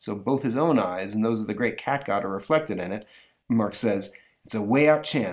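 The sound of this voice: Against a quiet background, the intonation is lively in this unforced reading voice.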